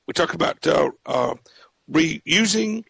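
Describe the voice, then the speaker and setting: A man with a raspy voice hosting a casual radio talk show in a folksy way, often stumbling over and repeating words. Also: a little high, expressive, slow, fairly bright tone, no room sound.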